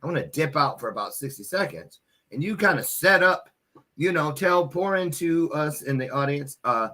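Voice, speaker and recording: A man's voice: on the high side, expressive, normal speed, sharp tone. A man hosting a casual, chatty online interview in a folksy, playful manner. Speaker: host of an online interview show.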